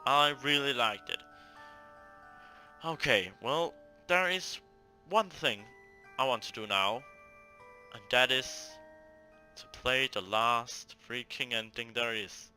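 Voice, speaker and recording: Male let's player, middle-pitched, expressive and exclaiming, with clear game music underneath. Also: slow pace, long pauses. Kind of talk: excited gameplay commentary.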